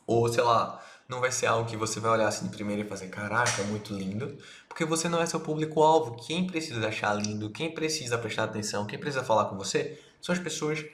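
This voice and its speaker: A man's voice: medium pitch, fairly bright tone. A Brazilian man in his thirties giving a casual online marketing lesson, slangy and direct, talking straight to the viewer. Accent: Brazilian Portuguese. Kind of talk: casual recorded course lesson. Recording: echoey room, faint noise.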